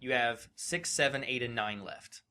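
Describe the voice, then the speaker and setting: A man's voice: mid-range voice, moderate pace. A man co-hosting a podcast in casual banter, running a trivia game with informal, sweary delivery. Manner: profane, animated, informal. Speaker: podcast co-host.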